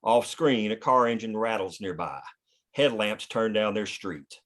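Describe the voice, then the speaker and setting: A man's voice: lowish voice, a little slow, fairly bright tone. A man reading scripted stage directions as the narrator of a screenplay table read.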